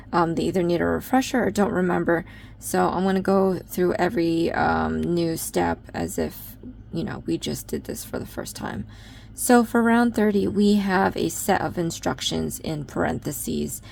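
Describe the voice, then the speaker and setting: A woman's voice: lowish voice, gravelly, darkish tone, slight background noise. A woman giving a chatty step-by-step crochet tutorial, with frequent ums. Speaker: crochet instructor.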